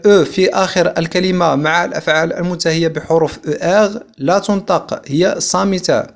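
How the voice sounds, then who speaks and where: A man from Algeria with a somewhat high voice teaches a video language lesson. He drills each example sentence slowly and repeats it before explaining it in Arabic. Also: fairly even intonation, gravelly. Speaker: French teacher.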